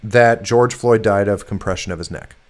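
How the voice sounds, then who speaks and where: A fairly low-voiced man hosts a political talk show in loose, casual chat. He talks in a sarcastic, mocking way and swears freely. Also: moderate pace. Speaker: podcast host.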